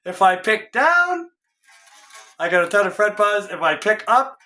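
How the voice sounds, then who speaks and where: A middle-aged man with a hoarse voice, a guitar tech in a casual vlog, puzzled and exasperated as he thinks aloud in his home workshop. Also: high-pitched, big pitch swings, unhurried, sharp tone. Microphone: camera a few feet away.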